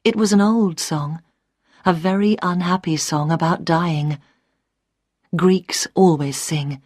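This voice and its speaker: Sex: woman. Role: narrator. Style: slow, clear storybook reading for learners. Pitch: low-ish. Sound: dry. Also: a little mellow, no room sound. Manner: clear, careful, deliberate reading.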